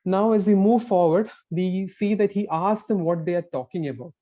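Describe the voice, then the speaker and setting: Mellow preacher at a pulpit microphone. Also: male voice, high voice, normal speed. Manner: earnest, explanatory, with frequent fillers and restarts. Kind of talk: sermon. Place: church.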